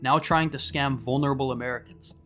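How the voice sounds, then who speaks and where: A man's voice: medium pitch, fairly even intonation, a little fast, fairly bright tone. A man giving scripted, documentary-style narration as a scambaiter presenting an investigation.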